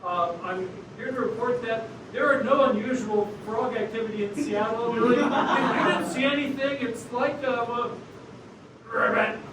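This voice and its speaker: A man's voice: extremely high pitch, normal speed. Man playing a pompous frog news reporter. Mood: mock-serious. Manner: mock-authoritative newsreader delivery, breaks into laughter. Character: male frog news reporter, earnest, self-important. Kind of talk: live improv comedy. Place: theater stage with audience. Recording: echoey stage from far off, noisy.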